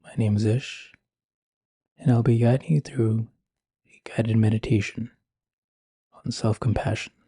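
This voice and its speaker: A man speaking slowly and gently with long pauses, guiding a meditation in a soft, breathy voice. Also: fairly low pitch, steady tone, no echo, studio quality. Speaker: meditation guide. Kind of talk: guided meditation.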